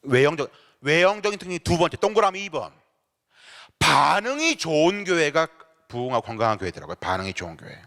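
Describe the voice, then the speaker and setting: A man's voice: fairly high pitch, big pitch swings, fast, a bit bright. A man from Seoul, a pastor leading a church seminar, giving a playful, teasing lecture that keeps addressing the audience directly. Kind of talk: lively humorous seminar lecture. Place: church sanctuary. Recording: long hall reverb in a church.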